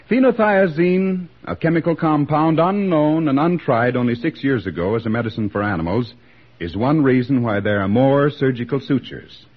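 A man delivering a formal, measured radio commercial as a sponsor's spokesman, in a 1940s broadcast. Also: mid-range voice, breathy edge, highs cut off.

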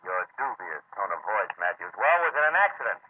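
An actor playing a world-weary, cynical private detective with clipped, wisecracking delivery in a 1940s radio drama. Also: male voice, on the low side, very animated, fairly quick, breathy edge. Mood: dry, guarded. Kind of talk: 1940s radio drama acting and first-person narration. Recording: noisy, narrow-band old radio recording.

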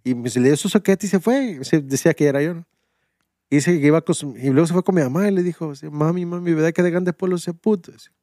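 A man's voice: on the high side, warm tone, dry recording, studio quality. A man with a Mexican accent, co-hosting a podcast and telling jokes in loose, slangy banter. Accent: Mexican Spanish. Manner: slangy, laughing storyteller who acts out quoted dialogue. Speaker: podcast co-host. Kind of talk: casual banter and joke telling.

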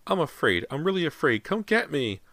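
A man acts out a small boy in a storybook, his voice pitched high and thin. He calls out plaintively, like a frightened child wanting his parents. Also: huge pitch swings, moderate pace, pushed and bright, no echo, heavily acted. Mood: scared, pleading. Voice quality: thin, shrill cry. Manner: plaintive, calling out.

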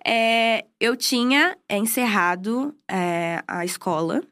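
A woman's voice: a little high, lively intonation, takes it slowly, fairly bright tone, clear, resonant tone. A woman in her twenties from southern Brazil with no regional accent, chatting as a podcast guest and telling stories with frequent restarts. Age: 20s. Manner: chatty, storytelling, trailing restarts. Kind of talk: casual interview chat. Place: podcast studio.

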